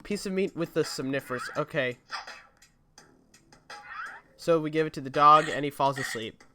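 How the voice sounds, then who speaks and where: Brief: young male let's-play host, rambling chatter, bright and slightly high. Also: normal speed, slight background noise. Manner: rambling and chatty, reads game dialogue aloud. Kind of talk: casual gameplay commentary.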